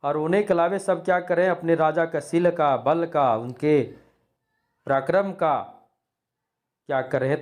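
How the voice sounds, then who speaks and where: A man's voice: medium pitch, a little mellow. A male teacher giving a lesson on poetry, asking questions and answering them himself, and reciting verses with rising emphasis.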